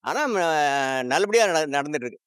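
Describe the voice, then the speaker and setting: An older man answering a street interviewer on a covered footbridge, pausing and searching for words. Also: fairly high pitch, lively intonation, fairly bright tone, no echo, clean studio sound. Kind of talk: street vox pop answers. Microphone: handheld interviewer mic.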